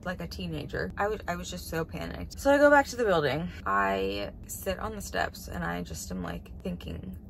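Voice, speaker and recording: Gravelly-voiced young woman ranting in a car. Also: fairly low pitch, big pitch swings, normal speed, hardly any pauses, a little hiss or hum. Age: 20s. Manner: rambling, profane, sarcastic asides. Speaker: vlogger. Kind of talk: casual storytime monologue. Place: parked car, indoors. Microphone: phone camera at arm's length.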